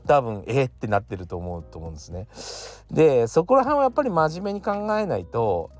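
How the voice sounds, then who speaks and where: A man's voice: mid-range voice, big pitch swings, brisk, soft background music. A man from the area, hosting a casual solo talk podcast, chatty, full of fillers and little chuckles. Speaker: podcast host.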